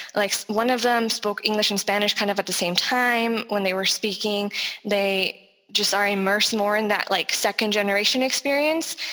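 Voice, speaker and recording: With a Chicago accent, a woman speaks at a medium pitch and a moderate pace. Her loudness is very even, with noticeable background noise. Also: fairly even intonation. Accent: Chicago American English. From Chicago, US (Ecuadorian family). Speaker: public health nurse and ministry leader. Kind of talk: presentation.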